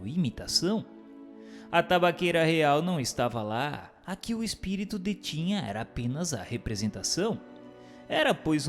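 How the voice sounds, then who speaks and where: A man gives a scripted, formal and didactic reading of a book of questions and answers. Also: on the high side. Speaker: narrator. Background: music.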